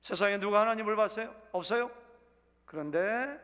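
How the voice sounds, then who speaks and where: A man's voice: high voice, normal speed, fairly bright tone. A male pastor giving a Sunday sermon in a church sanctuary, speaking conversationally and putting questions to the congregation. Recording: reverberant church hall.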